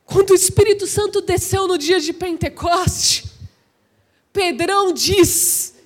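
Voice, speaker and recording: A woman preaching a sermon with fervor. She often shouts and asks the congregation rhetorical questions. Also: very high-pitched, fairly even intonation, moderate pace.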